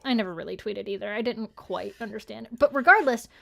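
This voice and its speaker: A woman's voice: medium pitch, quick pace, vocal fry. A woman chatting casually as co-host of a podcast live show, with a playful, self-deprecating, bantering manner. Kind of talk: casual chat, announcing channel updates.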